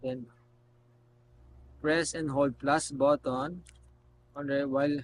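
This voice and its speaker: Male product reviewer, casual and unscripted, halting instructional delivery, noisy home-style recording with hum. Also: on the high side, fairly even intonation. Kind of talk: casual unscripted gadget demonstration. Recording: noticeable background noise and hum.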